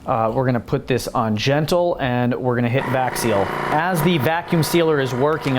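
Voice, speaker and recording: A man's voice: medium pitch, noisy background. A man hosting a home cooking tutorial, chatting casually and explaining each step as he works in his kitchen. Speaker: home cooking channel host.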